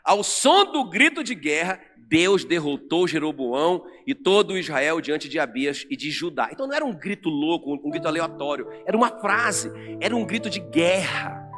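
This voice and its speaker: A man with a Brazilian Portuguese accent preaching an animated sermon to a congregation in a church. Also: on the high side, moderate pace. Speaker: pastor. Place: church sanctuary. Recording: long church reverb with music under.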